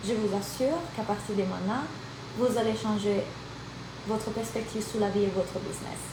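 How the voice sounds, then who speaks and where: An Italian woman with an Italian accent, working as a life and business coach, speaks energetically and directly to viewers during a live-streamed masterclass. Her voice is mid-range and steady, at a moderate pace. The room is echoey, with background noise.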